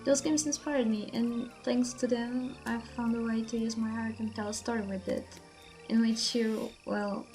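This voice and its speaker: A woman's voice: a little high, little pitch movement, moderate pace, a little mellow, rough recording. Woman not native in english, reading her intro a bit stiff, music playing under. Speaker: streamer. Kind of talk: scripted video narration. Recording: voice over background music.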